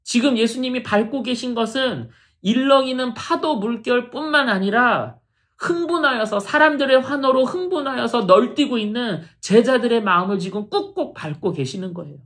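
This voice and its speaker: A woman's voice: fairly high pitch, normal speed, fairly bright tone. A middle-aged woman pastor preaching a sermon in an earnest, emphatic way, often addressing the congregation directly.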